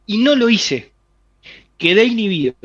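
A man with a Rioplatense Spanish accent explains a health theory in an animated interview, telling vivid everyday scenarios straight to the listener. His voice is high, very animated, unhurried and fairly bright, and the sound is lo-fi.

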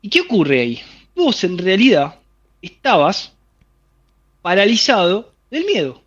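A man's voice: high voice, huge pitch swings, unhurried, fairly bright tone, highs cut off. A man with a Rioplatense Spanish accent, explaining a health theory in an interview through vivid everyday scenarios told straight to the listener. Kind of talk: animated explanatory interview talk.

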